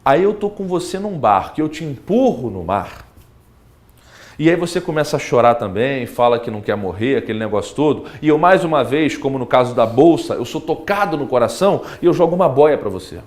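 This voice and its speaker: A man's voice: medium pitch, fairly quick. A man with a Brazilian Portuguese accent teaching law in a recorded exam-prep lecture, talking straight to the student and acting out examples. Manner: animated, talks straight to the student, acts out examples.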